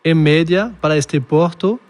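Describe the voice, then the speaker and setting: A man speaks as a podcast guest. He explains things in a slow, halting way. His talk is full of fillers and restarts. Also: a little high, darkish tone. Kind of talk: casual podcast conversation.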